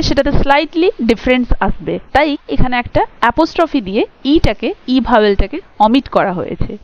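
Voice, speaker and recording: A woman with a Bengali accent lecturing on a poem for exam preparation, explaining line by line and pausing with rhetorical checks. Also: sits high, lo-fi sound. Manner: explanatory, asks rhetorical checks, slows to read lines aloud. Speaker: teacher. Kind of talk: exam-prep poetry lecture.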